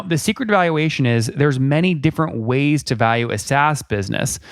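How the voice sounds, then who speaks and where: A man hosting a founder interview show, pitching a product fast and then firing off pointed questions. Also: no room sound, studio quality. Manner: brisk, pushy, salesman-like. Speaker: podcast host.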